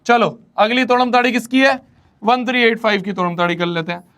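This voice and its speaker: A young man teaches a maths lesson with a high voice. He talks playfully, often repeating his questions and teasing his students as he works through problems. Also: brisk, a bit bright. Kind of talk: online class lecture.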